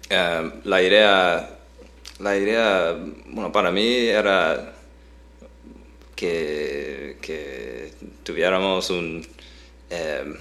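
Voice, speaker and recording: A young man with a very low voice co-hosts a casual podcast in Spanish, his second language after English. He talks slowly, pausing and restarting as he hunts for each word. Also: steady tone, a bit bright. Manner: hesitant, halting, many restarts and fillers. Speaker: podcast co-host. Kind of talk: casual chat. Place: Boston.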